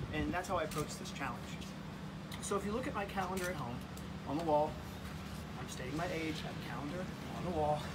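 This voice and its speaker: Amid loud background noise, a man with an American accent talks at a very fast pace broken by long, frequent pauses. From Nashville, Tennessee. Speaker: competing bartender. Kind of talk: competition presentation. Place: bar. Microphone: camera far.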